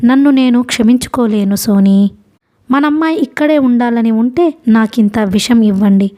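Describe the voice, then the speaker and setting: A woman reads as a stern, proud father in a storybook reading, harsh and commanding in tone. The voice stays fairly high and soft-toned. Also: moderate pace, natural voice.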